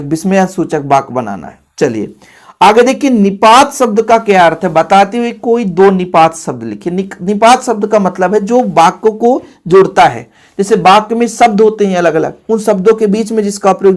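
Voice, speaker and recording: A teacher giving a casual exam-prep grammar lesson. The teacher talks straight to the students and repeats key points for emphasis. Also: mid-range voice.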